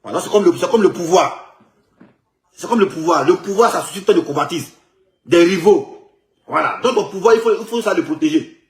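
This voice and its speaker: A man with an Ivorian accent delivering an animated, casual political rant, emphatic, mocking and repetitive. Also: sits high, fairly quick, pauses often, roomy sound.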